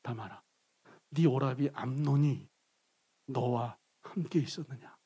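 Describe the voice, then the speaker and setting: Brooding prince plotting payback, done by a preacher, quiet low husky voice. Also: male voice, measured pace. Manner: low hushed intense speech. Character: brooding young prince, grieving brother plotting revenge.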